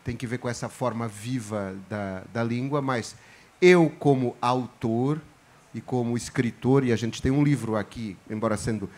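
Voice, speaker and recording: A man from Portugal whose accent leans Brazilian, speaking as an author on a festival panel, reflective and halting, with many restarts. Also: medium pitch, darkish tone. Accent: Portuguese, softened toward Brazilian. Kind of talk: panel discussion.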